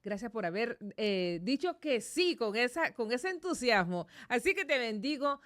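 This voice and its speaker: A woman's voice: on the high side, big pitch swings, moderate pace, a bit bright. A middle-aged woman hosting a Christian radio interview from a studio, effusive and heavy on blessings and exclamations.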